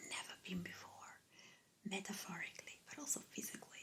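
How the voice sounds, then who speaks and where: Whispering comes through in a gentle tone. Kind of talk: ASMR soft-spoken reading and chat. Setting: close microphone, studio-like home recording. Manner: soft-spoken, gentle, comforting.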